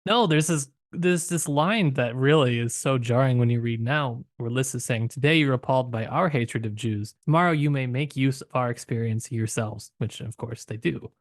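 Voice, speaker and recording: A male podcast host with a mid-range voice, recorded dry and close. He talks casually about literature, working through his thoughts haltingly and qualifying them as he goes. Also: mid-range voice, no echo. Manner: halting, thinking aloud, trailing qualifications.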